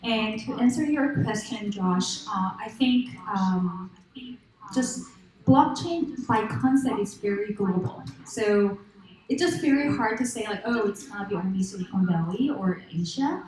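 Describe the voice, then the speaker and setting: A woman's voice: medium pitch, a little slow, darkish tone. Korean native woman on a panel, um-ing a lot, big echoey hall. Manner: hesitant, many fillers, laughs lightly. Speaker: panelist, fund partner. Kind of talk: conference panel remarks. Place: large conference hall.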